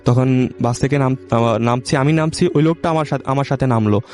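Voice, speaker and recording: A man's voice: medium pitch, steady tone, a little mellow, faint music behind. A young man from Bangladesh telling a true ghost story in casual speech, stumbling and restarting often. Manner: halting, with many restarts and self-corrections.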